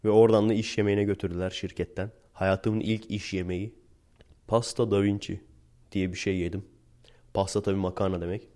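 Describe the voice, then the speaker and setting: Young man, low mellow voice, chatty wry storyteller, casual vlog delivery. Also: level tone, brisk. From Turkey. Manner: chatty, wry, laughs while telling anecdotes. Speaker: teacher.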